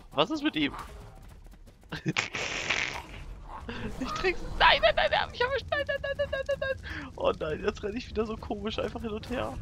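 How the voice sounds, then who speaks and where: A man commentating his own gameplay in a casual let's-play style, animated and quick to shriek in panic when things go wrong. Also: medium pitch, slight background noise.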